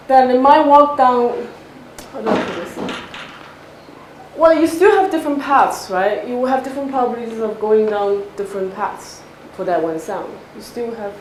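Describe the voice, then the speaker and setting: A woman giving a technical research talk, explaining step by step and often checking with a quick "right?". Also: fairly high pitch, slight background noise, low-quality recording. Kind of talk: technical lecture with questions from listeners.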